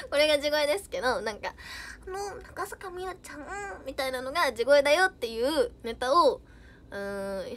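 A woman's voice: sits high, a bit bright. A young woman idol chatting casually on a livestream, reading out viewer comments with bubbly giggles.

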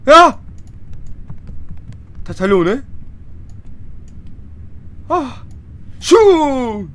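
A game streamer giving loud commentary, often yelling and swearing in comic outbursts. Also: high-pitched, big pitch swings, extremely slow.

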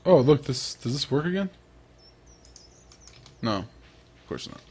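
A man's voice: medium pitch, big pitch swings, slow pace, darkish tone, slightly rough. A young man giving casual, rambling, self-mocking commentary as he plays a farming video game. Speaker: let's play host.

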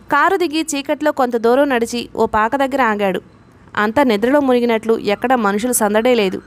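A woman reading a novel aloud as an audiobook narrator, in a steady storytelling delivery. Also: a little high.

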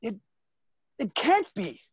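Casting: male actor as protective young nobleman in love, husky, dry close sound, swinging intonation. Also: very high voice, sing-song, slow pace, dry recording, highs cut off, exaggerated voice. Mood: disbelieving. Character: earnest, jealous young viscount suitor, skeptical and protective. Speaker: actor in a virtual staged reading. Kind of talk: dramatic stage play reading. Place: indoor room, video call. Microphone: video call microphone.

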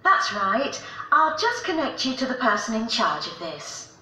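A woman's voice: fairly high pitch, big pitch swings, measured pace, bright, forceful tone, a little hiss or hum, heavily acted. A woman acting a polite, helpful office receptionist in a scripted language-course phone dialogue. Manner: polite, businesslike. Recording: roomy, distant course audio playback.

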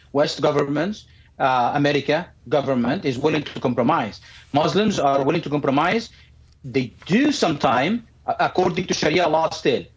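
A man's voice: on the high side, husky. Arabic-accented man on a muffled video call. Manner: repeats words at starts of phrases. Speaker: guest. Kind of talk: earnest commentary. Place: home room.

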